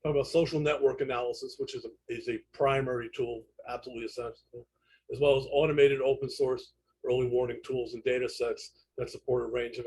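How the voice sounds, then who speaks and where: A man with a Brooklyn accent lecturing online, explaining in a halting, self-correcting way. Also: mid-range voice, darkish tone, slight background noise, low-quality recording. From United States, New York. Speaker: presenter, instructor in intelligence analysis. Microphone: internet call audio.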